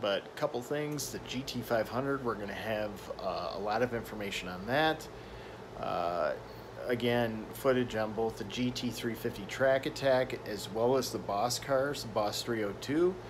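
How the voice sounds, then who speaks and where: There is clearly audible background noise in this clip. The man's pitch is medium, his pace is moderate, and his pitch moves in an ordinary way. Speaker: car YouTuber and amateur racer. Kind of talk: casual vlog talk to camera. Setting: hotel room. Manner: quiet; hesitant, many fillers.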